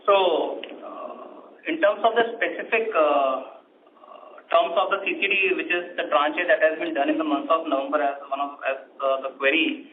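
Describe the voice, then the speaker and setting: Higher-pitched man on tinny phone line. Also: moderate pace, a little hiss or hum. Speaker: company finance executive. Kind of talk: unscripted technical explanation on a call.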